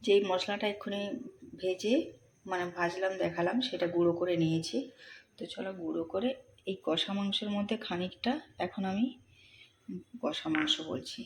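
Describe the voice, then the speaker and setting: Soft-spoken woman vlogger, low voice. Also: fairly even intonation, normal speed, long pauses, a little hiss or hum, poor audio. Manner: talking softly, explaining while cooking. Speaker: cooking vlogger. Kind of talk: casual cooking vlog. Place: home kitchen.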